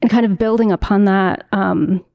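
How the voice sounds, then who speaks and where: A woman's voice: mid-range voice, fairly even intonation, normal speed, dark tone, no echo. A young adult woman talking casually and reflectively, feeling her way toward words a little hesitantly. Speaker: poet guest.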